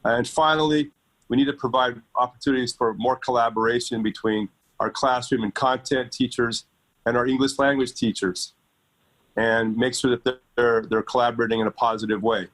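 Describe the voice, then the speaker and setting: A man's voice: medium pitch, fairly even intonation, fairly bright tone, poor audio. Earnest man speaking on a panel. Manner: earnest, halting with repeats. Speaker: education panelist. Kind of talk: webinar panel discussion.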